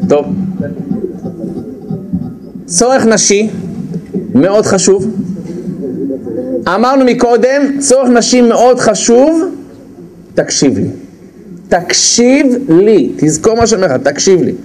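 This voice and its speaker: The recording is rough, but this high-voiced man keeps a live audience, audible behind him, engaged with a funny talk about marriage. He animatedly voices husbands and wives in quick put-on voices and repeats key phrases to drive them home.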